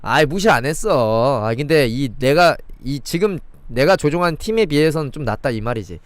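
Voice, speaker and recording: A man's voice: a little high, normal speed, dry recording. A young man streaming a football video game, calling the plays and chatting with viewers in between. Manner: excitable play-by-play, chatting with viewers. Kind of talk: live gameplay commentary.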